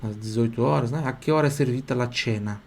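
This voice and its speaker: A man leads a live online Italian lesson, speaking at a middle pitch. He patiently repeats each phrase in slow, careful drills and keeps urging students to say them out loud. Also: creaky, a little hiss or hum. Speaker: Italian teacher.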